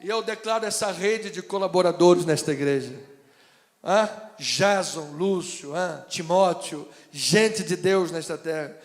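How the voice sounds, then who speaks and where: Male Carioca pastor with a very high voice preaching in a church sanctuary, with a long hall reverb around him; moves between loud declarations and quiet asides. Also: measured pace. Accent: Carioca Brazilian Portuguese. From Brazil (Rio de Janeiro). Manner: swings from loud proclamations to quiet conversational asides. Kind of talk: sermon.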